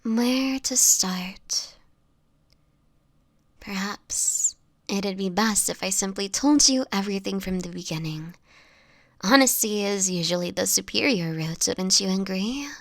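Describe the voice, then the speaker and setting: A woman playing a sickly, homeless vampire in an intimate audio roleplay, speaking softly and haltingly, often in a whisper, with formal old-fashioned wording and gentle melancholy. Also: medium pitch, dry recording, natural voice. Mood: hushed, confiding. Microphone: close microphone, dry.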